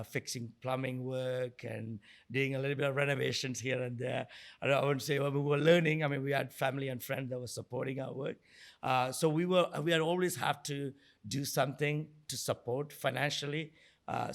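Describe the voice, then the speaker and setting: A middle-aged man from Sri Lanka speaks as an interview guest. His voice sits at a medium pitch with noticeable creak. He talks conversationally and haltingly, often doubling words and rephrasing mid-sentence. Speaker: guest, entrepreneur and investor.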